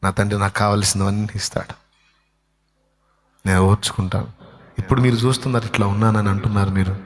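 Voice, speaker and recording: A man preaching, voicing a devoted male believer who answers his critics quietly and patiently. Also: fairly low pitch, fairly even intonation, fast talker, natural voice.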